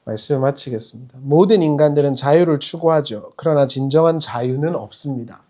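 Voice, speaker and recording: A male pastor preaching a sermon in a conversational, lively way, putting rhetorical questions to the congregation. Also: fairly high pitch, brisk. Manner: acts out quoted speech in other voices.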